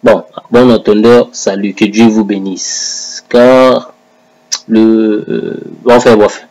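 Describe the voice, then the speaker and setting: A man's voice: lowish voice, fairly even intonation, slow pace, a little mellow, poor audio. A man in a confrontational religious video monologue, taunting and challenging a rival he addresses directly. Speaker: online religious commentator.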